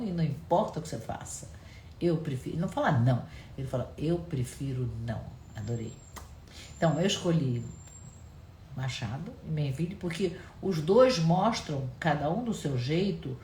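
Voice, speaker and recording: Low-voiced woman hosting a live stream. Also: echoey room, slight background noise. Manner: animated storytelling, frequent "né?" tag questions. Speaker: live-stream host discussing books and films. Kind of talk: casual live-stream talk. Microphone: camera at close range.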